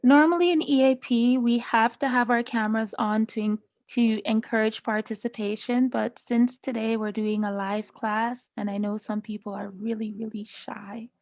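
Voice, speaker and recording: A woman's voice: fairly high pitch, steady tone, normal speed, few pauses, dry recording. A woman teaching a live online class, chatty and laughing often with students over a video call. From Canada. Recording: slightly muffled dry video-call audio.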